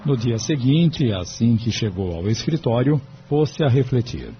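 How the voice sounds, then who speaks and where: A man narrating an audiobook in a measured, even manner. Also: mid-range voice, lo-fi sound, noisy background.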